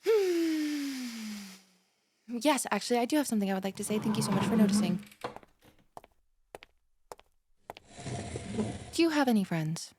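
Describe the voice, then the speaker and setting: A woman's voice: on the high side, lively intonation, a little fast, background noise, close to an everyday voice. A young woman playing a bubbly, ditzy, easily offended student who gushes and rambles in a one-sided audio roleplay. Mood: pointedly sweet, miffed. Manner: gushing, rambling, dramatic gasps and sighs.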